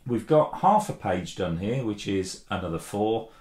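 A man in his fifties talks through a keyboard tutorial in an easygoing, unhurried way, dotted with ums and uhs. His voice sits on the low side. The sound carries a noticeable room echo from a home office recorded at table distance. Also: lively intonation, a little mellow. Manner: easygoing, plain-spoken, frequent "um" and "uh". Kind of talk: relaxed step-by-step tutorial. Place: home studio office with desk and plants, indoors. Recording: echoey room.

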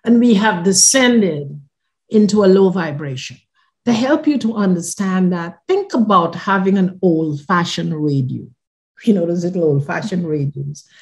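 An older woman, born and raised in Guyana, recounts her own experience for a podcast. She speaks from her living room over a video call in a lowish voice, pressing hard on key words and letting her phrases drift softly away. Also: animated, unhurried. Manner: earnest, emphatic, often trailing off softly. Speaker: podcast guest. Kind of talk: personal storytelling.

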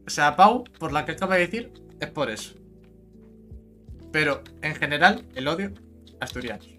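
A man's voice: on the high side, animated, normal speed, pushed and bright, soft background music. A man chatting casually on voice chat, teasing and arguing his point.

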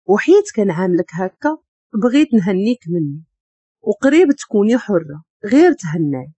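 A woman with a Moroccan accent voicing a cold young husband who dismisses his wife flatly. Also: mid-range voice, moderate pace, husky, dry recording. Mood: dismissive.

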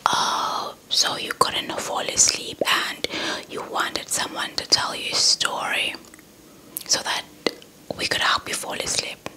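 Young woman whispering an asmr story, super slow, really crisp bright sound, close mic. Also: poor audio. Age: young adult. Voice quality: breathy unvoiced whisper. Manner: slow, deliberate, repeats words softly. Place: indoors in front of a dark cloth backdrop. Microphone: handheld small mic with fluffy windscreen, held close.

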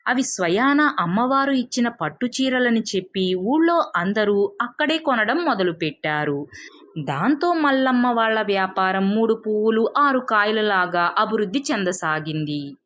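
A woman's voice: medium pitch, lively intonation, moderate pace, fairly bright tone. A woman telling a scripted moral story as a storyteller. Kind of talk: scripted moral-tale narration.

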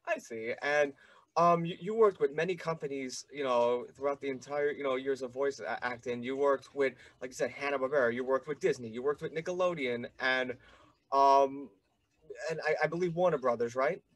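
Eager young host with rambling questions. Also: male voice, mid-range voice, moderate pace, no room sound. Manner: rambling, many fillers and restarts, eager fan. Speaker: podcast host. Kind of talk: casual interview questions.

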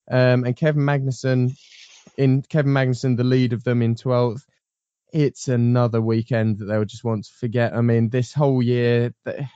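A man's voice: mid-range voice, mellow, clear, resonant tone, no echo, lo-fi sound. A man hosting a casual motorsport panel chat, rambling with frequent ums and restarts. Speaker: podcast host.

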